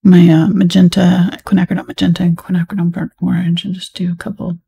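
A woman painting instructor talks her students through a live tutorial, mostly in a soft whisper. Her voice is very husky and gravelly, with a mellow tone and a fairly flat delivery. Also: fairly low pitch, fast.

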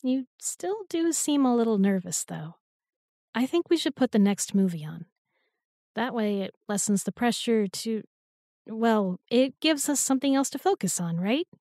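A woman's voice: a little high, animated, normal speed, warm tone, no echo, clean studio sound. A young woman playing an affectionate, teasing new girlfriend in an intimate roleplay audio, with a playful, tender, coaxing manner. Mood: gentle, teasing.

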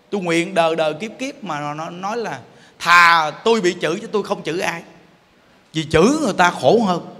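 A man preaches a Buddhist sermon in a Southern Vietnamese accent, high-pitched and sharply bright. He talks in an animated, joking way and keeps asking his listeners questions. His voice rings out with a long reverb, as in a large hall.

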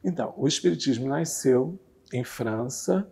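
A man in his fifties, a guest on a TV interview, calmly explaining a religious doctrine with lively hand gestures, on a lapel mic in a curtained studio. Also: medium pitch, normal speed, vocal fry, breathy edge, big-room sound. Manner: animated, gestures with both hands while talking. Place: TV studio with red curtain backdrop.

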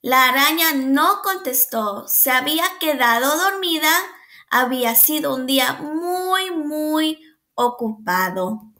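A woman preschool teacher reads a picture book aloud at an unhurried pace, pausing to quiz her young listeners and praise their answers. Her voice sits high and sounds bright and crisp. She sounds out the animal noises with lively energy. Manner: patient, asks the children questions and praises them.

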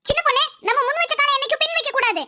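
A sly, greedy village gossip in a cartoon, voiced by a woman. She teases and eggs the others on in a very high, quick voice. Clear noise runs under the track. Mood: sly, teasing. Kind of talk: Tamil cartoon dub.

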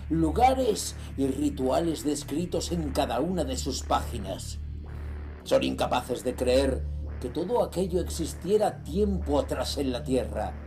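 A man's voice: on the high side, mellow. An actor playing an arrogant, obsessed nineteenth-century occultist, reciting his diary in a pompous, scornful, theatrical way. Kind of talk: dramatic audio-drama monologue.

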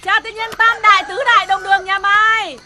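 An actress playing a fiery middle-aged village wife who scolds and curses loudly in a TV drama. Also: female voice, little pitch movement, brisk, slight background noise, exaggerated voice. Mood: cursing. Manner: shrill, cursing, wailing. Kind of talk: TV drama acting.

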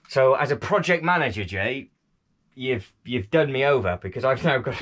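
A man chatting casually while painting and tidying his hobby room, repeating himself and joking at his own expense. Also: medium pitch. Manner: chatty, self-deprecating, lots of fillers and repeats. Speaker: vlogger. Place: indoor hobby room at home.

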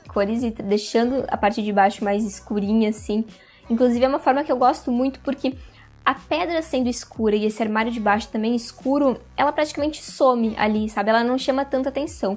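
A young woman hosting an interior design video, talking casually to the camera on a lapel mic in a room, with lots of hand gestures. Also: a little high. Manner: chatty, animated hand gestures, addresses viewers directly. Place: indoor room with curtains and plants.

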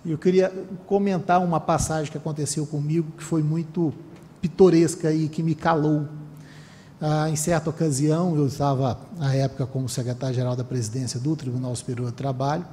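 A man in his thirties from Brazil giving a formal seminar speech at a panel table, measured, with frequent restarts. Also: a little high, little pitch movement, warm tone. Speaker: panel speaker, council member. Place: conference room with panel table. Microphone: table microphone. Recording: long hall reverb, faint room noise.

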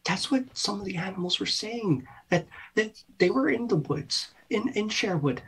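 A woman's voice: mid-range voice, lively intonation, normal speed, fairly bright tone, husky, heavily acted, rough recording. A woman voicing a nervous young junior adventure leader on her first assignment, stammering and anxious. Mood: scared.

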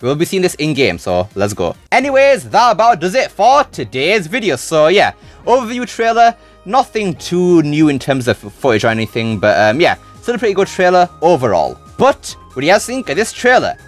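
Animated man giving casual game commentary. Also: on the high side, moderate pace, soft background music. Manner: informal, thinking aloud. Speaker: video creator.

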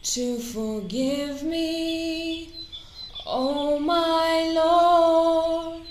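A woman chanting a prayer, half sung, slow and reverent. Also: very high voice, steady tone, roomy sound, slight background noise.

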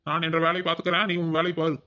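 A man's voice: fairly high pitch, monotone, rapid-fire, bright, forceful tone, highs cut off. A man voicing a sulky, jealous village husband in a cartoon, with a Kongu Tamil accent and curt, snapping replies. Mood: grumpy. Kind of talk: cartoon voice acting.

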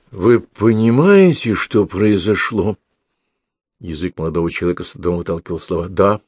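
A man narrating an audiobook dramatically, raising his voice for the characters' dialogue and slowing down on key lines. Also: deep voice, no room sound, clean studio sound.

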